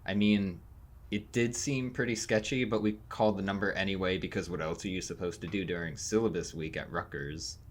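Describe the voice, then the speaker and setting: A man playing a chatty, slightly unsure college freshman in a fiction podcast, casual and halting. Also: deep voice, steady tone, slight background noise, lightly acted. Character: nineteen-year-old male college freshman, chatty, excitable, unsure.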